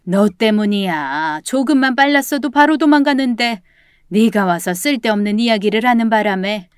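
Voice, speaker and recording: A cunning elderly con woman from a storybook drama, scolding and stubborn, her voice smooth and close with no room around it, as a woman acts her out. She sounds grudging and accusing, never giving ground. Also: a little high, animated, normal speed, no room sound, natural voice. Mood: blaming. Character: sly old female con artist grandmother.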